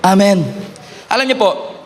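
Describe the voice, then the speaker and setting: A man's voice: sits high, unhurried, slight background noise. A middle-aged male pastor preaching a sermon to his congregation, impassioned, with rhetorical questions and calls for hands raised. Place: church sanctuary before a congregation. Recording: long reverb of a large hall.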